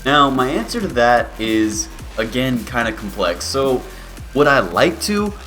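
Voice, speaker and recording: A man of about twenty, a YouTuber answering viewer questions in a relaxed, rambling way with many fillers. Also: medium pitch, measured pace, soft background music. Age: 20s. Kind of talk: casual Q&A vlog.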